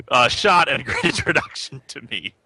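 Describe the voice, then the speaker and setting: A man chatting casually in a film commentary, wry and quick to laugh, stammering at times. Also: medium pitch, expressive, bright, forceful tone, husky, no echo. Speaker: guest reviewer.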